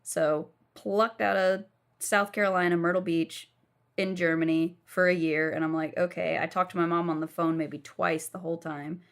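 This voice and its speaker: A woman's voice: fairly low pitch, flat delivery, normal speed. A young woman from the southern United States, telling her life story frankly while lying down as a podcast guest.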